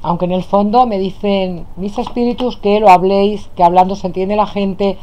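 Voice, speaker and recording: A woman's voice: mid-range voice, fairly even intonation, normal speed, mellow, poor audio. A woman with a Spain Spanish accent leads a tarot reading for her audience. She speaks fondly to her viewers, calling them her loves as she turns over cards. She is recorded indoors at a table. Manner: affectionate, addresses viewers as "my loves". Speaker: tarot reader. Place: indoors at a table, hands only on camera.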